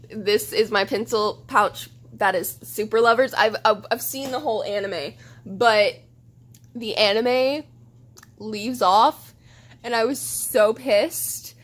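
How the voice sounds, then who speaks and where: A woman's voice: mid-range voice, fairly bright tone. A young woman vlogging in casual chat, gushing and swearing freely, with lots of fillers.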